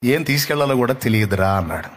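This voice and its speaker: A man's voice: mid-range voice, expressive, fast talker. A male pastor preaching a sermon, telling a parable and acting out its dialogue, with emphatic rhetorical questions. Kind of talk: storytelling sermon.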